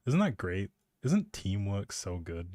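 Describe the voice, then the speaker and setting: A man's voice: low-pitched, very animated, measured pace, warm tone, no echo. A man chatting casually as a live streamer, rambling in a playful, self-deprecating way into a close microphone.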